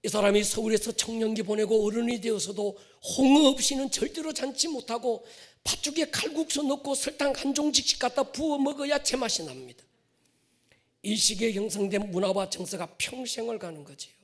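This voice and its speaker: A male pastor preaching a sermon to his congregation, swinging from loud stressed phrases to whispered endings and drawing out key words. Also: very high voice. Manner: addresses the congregation directly, drawn-out stressed words.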